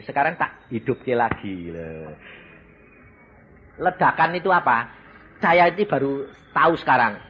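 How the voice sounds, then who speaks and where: Animated male preacher. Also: mid-range voice. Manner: animated storytelling, acting out voices with sudden loud outbursts. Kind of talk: sermon. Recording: dull lo-fi audio with faint noise.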